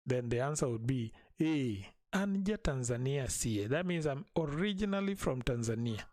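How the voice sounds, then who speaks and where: A man teaching a language in a live stream, patiently repeating each phrase slowly for learners. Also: mid-range voice, expressive, a little mellow, no echo, studio quality.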